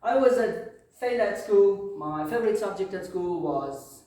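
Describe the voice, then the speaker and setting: A man's voice: high voice, animated, a little slow, mellow. A man in his thirties from Shymkent with a Kazakh accent, telling a funny personal story as a club speech and often laughing. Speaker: club speaker. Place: club meeting room. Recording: echoey room, distant mic.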